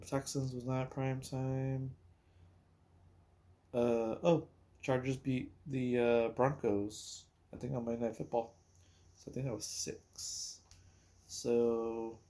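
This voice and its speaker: A man talks casually about sports at a slow, unhurried pace. His voice is mellow and relaxed, and he rambles hesitantly, pausing as he thinks out loud like a solo podcast host. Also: medium pitch. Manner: rambling, hesitant, pauses while recalling and counting.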